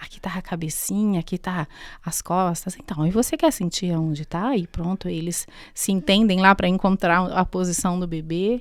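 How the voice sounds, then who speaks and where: A woman talks at a medium pitch in an ordinary speaking voice. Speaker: psychologist and obstetric nurse. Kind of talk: interview.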